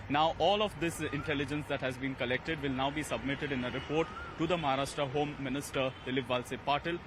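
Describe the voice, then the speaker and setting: Fast-talking male reporter with street noise. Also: mid-range voice. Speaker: news reporter. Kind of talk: live field report. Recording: clear outdoor traffic and street noise.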